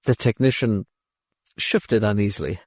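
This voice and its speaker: A man reading a science fiction short story as an audiobook narrator, in a measured, expressive literary manner. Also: fairly low pitch, no echo, studio quality.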